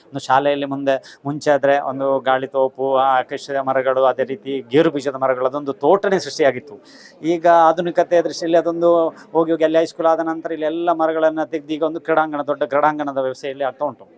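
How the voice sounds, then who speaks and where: Here is an unremarkable speaking voice with fairly even intonation. The sound is dry and close, with no echo. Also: man, fairly high pitch for a man. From coastal Karnataka, India (Belthangady area). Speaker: school alumni committee secretary. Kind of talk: interview.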